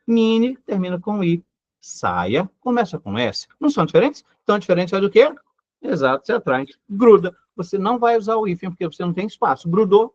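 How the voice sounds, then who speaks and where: A man teaching grammar in a live online class. His voice sits high and swoops up and down as he drills the same rule again and again. The sound is dry and a little dull. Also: no room sound. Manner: emphatic and repetitive, full of rhetorical questions. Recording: dry, slightly dull recording.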